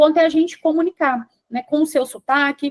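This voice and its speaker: Recorded with a dry, close sound and no echo, a woman with a high pitch speaks at a moderate pace with ordinary pitch variation. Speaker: English teacher and environmental engineer. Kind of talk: interview talk explaining language learning.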